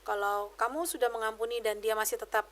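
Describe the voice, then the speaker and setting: A high-pitched woman shares her own story as a podcast guest. She talks in lively, slangy casual speech and slips English phrases in now and then. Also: brisk. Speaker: podcast guest giving testimony. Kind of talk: personal testimony, casual chat.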